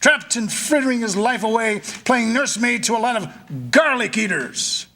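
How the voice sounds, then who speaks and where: A sly, domineering rich old man from an old radio play. The voice is high for a man and gravelly, with a sharp edge. He wheedles and condescends, impatient to get his way. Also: lively intonation, moderate pace, full character voice. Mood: sly, condescending. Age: older. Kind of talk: staged 1940s radio drama acting.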